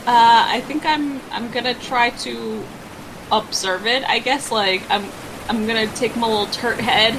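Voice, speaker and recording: A woman's voice: on the high side, moderate pace. Casual woman game player with noisy background. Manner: informal, slangy, conversational. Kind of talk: casual roleplaying game chat. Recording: clear background noise, ambient hum.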